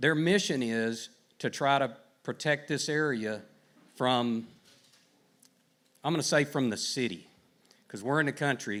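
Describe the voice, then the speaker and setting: With a rural Texas accent, a man speaks at a moderate pace and a medium pitch. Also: very clean recording, silent background. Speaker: town hall presenter. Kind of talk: public presentation. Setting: fire department hall meeting with audience. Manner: repetitive, halting starts; folksy, conversational.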